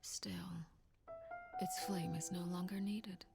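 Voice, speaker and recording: A woman playing a composed, menacing guardian in a game trailer, narrating a legend in a measured, solemn way. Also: mid-range voice, flat delivery. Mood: quietly firm. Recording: game trailer with music behind. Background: music.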